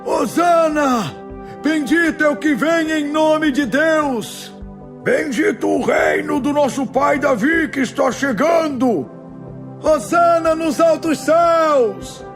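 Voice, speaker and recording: Joyful follower, Bible audiobook: high exultant shouting, long drawn-out phrases. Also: male voice, soft background music. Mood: jubilant. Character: jubilant shouting follower in a welcoming crowd.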